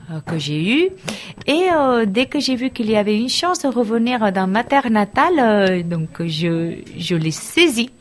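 Hesitant middle-aged woman from Barcelona. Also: medium pitch. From Barcelona, Spain. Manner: thoughtful, hesitant, many pauses and restarts. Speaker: school life counselor being interviewed. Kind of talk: casual interview answers.

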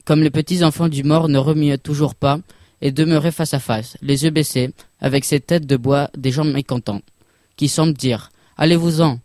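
A man reads a classic tale aloud in a measured, literary manner. His voice sits slightly high for a man. The sound is close and dry, with no room around it. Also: fairly even intonation, a little mellow, no echo. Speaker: narrator. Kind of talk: scripted narration of a classic story.

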